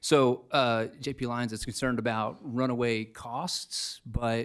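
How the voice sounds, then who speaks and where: The voice belongs to a man. It sits at a medium pitch. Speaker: public commenter at county meeting. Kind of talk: public comment. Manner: loud; fast.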